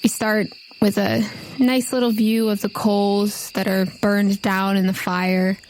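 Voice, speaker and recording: A woman's voice: mid-range voice, little pitch movement, measured pace, darkish tone, a little hiss or hum, rough recording. A woman acting as game master, narrating a tabletop role-playing game in a conversational way.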